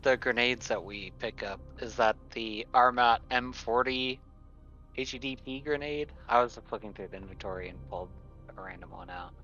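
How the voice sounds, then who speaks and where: A man chatting casually as a player in a tabletop roleplaying game, on a low-fidelity mic. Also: moderate pace, sharp tone. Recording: dull lo-fi microphone, music underneath. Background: background music.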